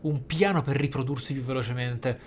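A man hosts a role-play gaming video, commenting reflectively and explaining as he goes, sometimes reading in-game text aloud. His mid-range voice is steady and fairly quick, with faint noise and game ambience behind it.

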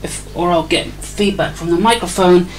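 A woman's voice: fairly low pitch, moderate pace, a little hiss or hum, poor audio. A woman giving a casual, wry commentary while tinkering at a workbench, with apologetic asides, recorded on a desk microphone. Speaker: hobbyist radio tinkerer. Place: indoor workbench. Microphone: desk microphone near an amplifier.

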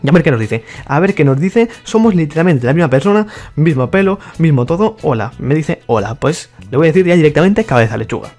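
A man's voice: a little high, expressive, fast, darkish tone, faint music behind. A man giving casual, mock-exasperated commentary on his gameplay and talking to his viewers. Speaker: gaming YouTuber.

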